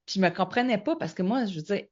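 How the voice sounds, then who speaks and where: Middle-aged woman, Québécois accent, animated storyteller guest, slightly dull recording. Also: medium pitch, fast talker. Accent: Québécois French. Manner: animated storyteller, acts out quoted dialogue. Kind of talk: casual storytelling interview. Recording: slightly muffled lo-fi audio.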